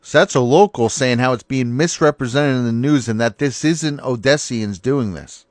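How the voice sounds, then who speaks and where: A man's voice: medium pitch, moderate pace, no echo. Man giving casual rhetorical commentary. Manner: rhetorical, punctuated with "all right?". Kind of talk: casual commentary over video clips.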